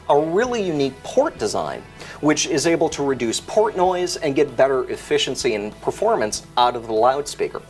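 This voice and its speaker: A man's voice: mid-range voice, darkish tone. A man, explaining technical product features in an articulate, methodical way as the expert.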